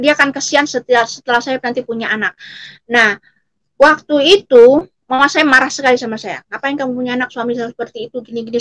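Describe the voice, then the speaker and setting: A middle-aged woman from Riau in Indonesia gives an emotional personal testimony in a fairly high voice. She circles back and repeats her phrases as she tells it. The sound is dry, with no room echo. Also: pushed and bright. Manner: repeats phrases over and over while telling her story. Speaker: guest giving a personal testimony.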